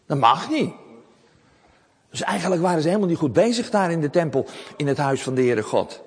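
A man telling a Bible story to children in a lively, animated way, often asking them questions. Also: fairly high pitch, brisk, slightly rough, long reverb tail.

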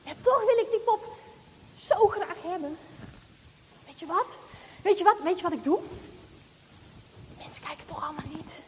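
A woman's voice: very high-pitched, lively intonation, measured pace, pauses often, a little mellow. A woman acting as a chatty little schoolgirl who longs for a doll, speaking straight to the audience in a stage monologue, in an echoey hall. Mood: secretive. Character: little schoolgirl, wistful, tempted to take a doll. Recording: echoey hall, faint background noise.

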